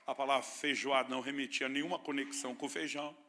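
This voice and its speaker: A man's voice: medium pitch, steady tone, fast talker, bright, forceful tone, a little hiss or hum. A man preaching a sermon with a Brazilian Portuguese accent, mixing teaching with humorous personal stories. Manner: storytelling preacher with playful humor. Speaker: pastor.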